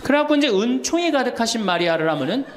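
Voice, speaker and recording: An older male priest in his sixties preaches to an audience with a high, bright voice. His pitch swings widely as he tells funny stories, laughing along and acting out the people in them. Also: quick pace, a crowd in the background. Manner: storytelling with laughter and lively quoted dialogue. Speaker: Catholic priest. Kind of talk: humorous sermon lecture.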